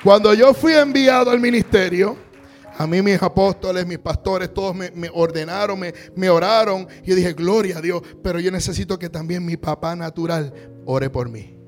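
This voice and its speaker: High-voiced preacher with faint music. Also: male voice, normal speed. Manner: call-and-response preaching, rising to shouts. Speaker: pastor. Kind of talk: sermon.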